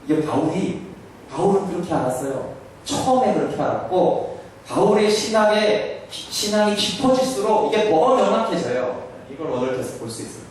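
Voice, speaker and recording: A man preaches to a congregation in a church hall with a fairly high voice. He keeps turning to his listeners with questions and acts out quoted words. The hall is very echoey, and he is heard from a distance with faint noise behind. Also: sing-song, normal speed. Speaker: pastor. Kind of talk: sermon lecture to a congregation.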